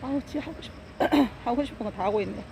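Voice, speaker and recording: A woman's voice: on the high side, brisk, background noise. A woman walking her dogs outdoors, chatting casually on a phone live stream and fondly scolding her pets. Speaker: dog owner live-streaming a walk. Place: outdoors on a walking path by stepping stones.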